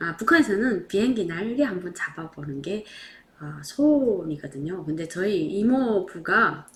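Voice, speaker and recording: With an animated tone and very wide pitch swings around a medium pitch, a woman speaks at a fairly slow pace over noticeable background noise. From North Korea. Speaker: YouTuber, North Korean defector. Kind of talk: casual talk to camera.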